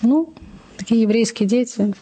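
Journalist lady in her 40s, husky-ish voice, talks slow and careful with lots of pauses. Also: a little high, warm tone. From Russia. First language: Russian. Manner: thoughtful, measured, many pauses and fillers. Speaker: journalist guest. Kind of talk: casual conversation.

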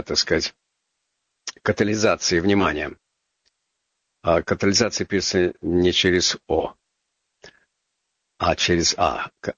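Deep-voiced wry radio host, man. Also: fairly bright tone, dry recording, highs cut off. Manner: ironic, wry asides with frequent fillers. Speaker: radio talk show host. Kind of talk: casual call-in radio talk. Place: radio studio.

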